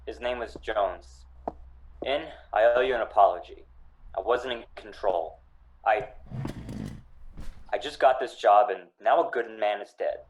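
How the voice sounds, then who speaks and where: A man playing a gruff, embittered police officer in an amateur radio drama. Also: fairly low pitch, unhurried, long pauses, a little hiss or hum, close to an everyday voice. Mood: remorseful, pleading. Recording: thin phone-like sound, music behind.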